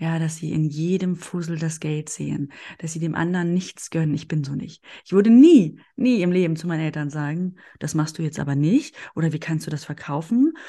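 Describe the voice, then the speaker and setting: In a quiet background, a woman with a dark, mellow tone and fairly low pitch speaks at a moderate pace with ordinary pitch variation. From eastern Germany, near Polish border. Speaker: podcast host. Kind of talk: casual interview.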